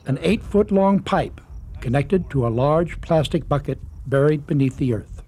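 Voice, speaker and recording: A man's voice: a little high, expressive, normal speed, mellow. A man reading scripted narration for a nature documentary, with outdoor ambience behind him.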